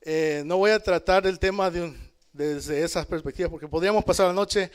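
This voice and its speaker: A man leads a church Bible study, his voice pitched a little high and resonant. He talks to the congregation in an easy, conversational way. He calls out amen and checks in with his listeners as he goes. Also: fairly quick, clear, resonant tone. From El Salvador. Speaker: preacher. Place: church in Canada.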